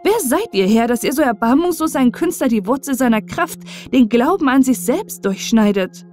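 A woman's voice: on the high side, animated, moderate pace, mellow, soft background music, natural voice. A woman voicing a proud, passionate young male sculptor in an audiobook fairy tale, reading his lines with impassioned pleading. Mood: indignant.

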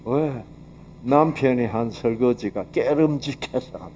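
A man with a medium-pitched, dark voice speaks at a measured pace over a slight hiss or hum. He's delivering a Bible-teaching lecture at a health seminar, chatting conversationally, posing rhetorical questions to the audience and acting out quoted dialogue.

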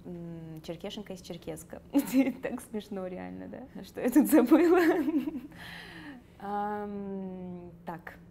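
A woman's voice: medium pitch, lively intonation, slow, gravelly, dark tone, a little hiss or hum. Chatty young woman with Circassian accent. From Karachay-Cherkessia, North Caucasus. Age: young adult. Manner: chatty, laughs often, many fillers. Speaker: interviewee. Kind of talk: sit-down interview. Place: dark studio. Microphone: lapel.

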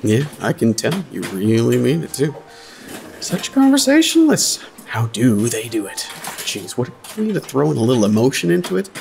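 A man's voice: medium pitch, very animated, moderate pace, creaky, a little mellow, a little hiss or hum. A man playing a sarcastic, awkward, chatty guy who rambles through small talk in an audio drama. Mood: sarcastic, rambling.

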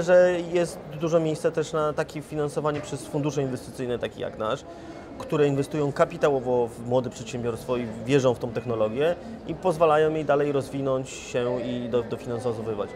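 Man in his forties over a conference crowd. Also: medium pitch. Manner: measured, with frequent restarts and fillers. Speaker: investment firm chief executive. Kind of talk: interview answers. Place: conference hall in front of a sponsor wall. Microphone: lapel mic. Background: crowd chatter.

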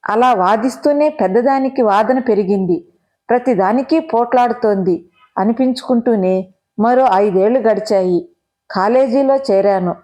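A woman narrating a first-person audio story in an expressive, measured storytelling manner. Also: fairly high pitch.

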